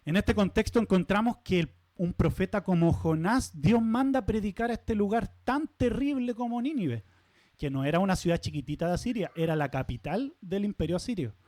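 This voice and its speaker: A man's voice: high voice, lively intonation, brisk, a little mellow, no echo. A man preaching a sermon as pastor, talking conversationally, putting questions to the congregation and dropping light humorous asides. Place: church sanctuary.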